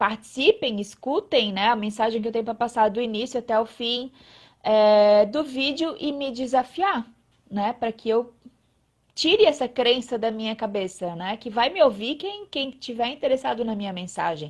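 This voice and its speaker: The intonation is lively. The pace is moderate. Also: woman, fairly high pitch for a woman. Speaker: pharmacist and coach. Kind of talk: live interview. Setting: online live stream.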